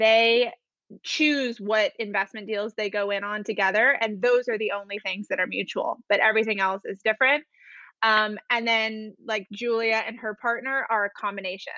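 Against a quiet background, a woman with an American accent speaks in a bright, sharp tone at a fairly high pitch. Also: fairly even intonation, moderate pace. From US Southeast, Miami and Asheville. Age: 30s. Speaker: entrepreneur and finance educator. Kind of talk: casual interview.

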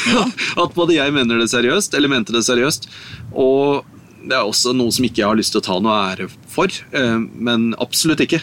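Lively intonation marks this man's medium-pitched voice. He talks at a fairly quick pace but leaves long, frequent pauses. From Norway, Otta in Gudbrandsdalen. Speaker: mountain lodge manager. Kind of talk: casual interview. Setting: outdoors on a mountain.

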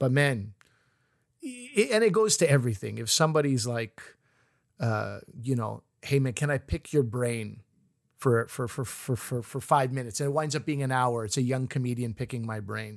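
Speaking at a moderate pace with a Canadian accent, a man has an ordinary speaking voice, medium in pitch with ordinary pitch variation. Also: very clean recording, silent background. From Quebec, Montreal. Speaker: stand-up comedian and radio host. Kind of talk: casual chat.

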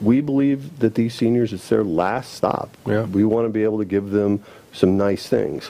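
A man's ordinary speaking voice with an American accent, fairly low in pitch, at a moderate pace, with ordinary pitch variation. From Florida, Pinellas County. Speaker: home care sales and marketing director. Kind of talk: interview.

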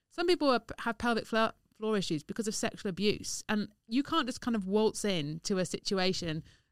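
With hardly any pauses, a woman talks at a fairly quick pace in a fairly high pitch, her voice making very wide pitch swings in a dry, close, echo-free recording with a silent background. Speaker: women's health coach. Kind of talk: casual chat. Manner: articulate.

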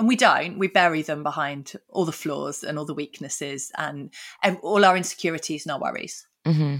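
A woman with a British accent speaks at a moderate pace in a very deep, low voice, her tone warm and enthusiastic. Her pitch varies in an ordinary way, and the recording is very clean with a silent background. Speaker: sports psychologist. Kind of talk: interview chat. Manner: warm, enthusiastic.

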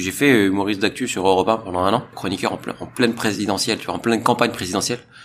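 A man races along at a very fast pace with ordinary pitch variation over noticeable background noise. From Morocco (Fès). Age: 30s. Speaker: comedian. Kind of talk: casual interview over a meal.

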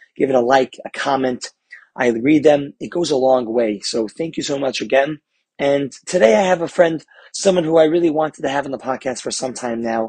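A man speaks in an ordinary speaking voice with ordinary pitch variation, in a dry, close sound with no echo. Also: fairly high pitch for a man, fairly quick pace. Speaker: podcast host. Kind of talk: scripted intro and outro. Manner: upbeat.

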